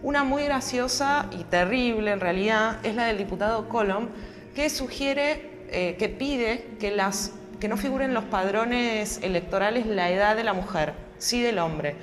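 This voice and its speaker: A woman's voice: on the high side, unhurried. A woman commenting in a documentary interview, conversational, wry and critical. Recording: long hall reverb.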